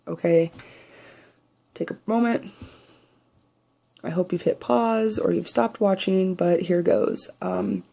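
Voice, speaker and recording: The vlogger, a young trans man, has a gravelly, warm voice that he deliberately lowers from its naturally high pitch. He talks openly and bluntly in a video diary, swearing without restraint.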